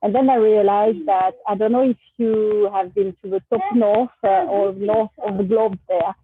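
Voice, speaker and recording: Woman, tinny phone-like sound, French accent, native French speaker, husky, halting casual storytelling. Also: mid-range voice, fairly even intonation, no room sound. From France. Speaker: session participant. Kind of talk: casual personal anecdote. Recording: tinny phone-like line, dry.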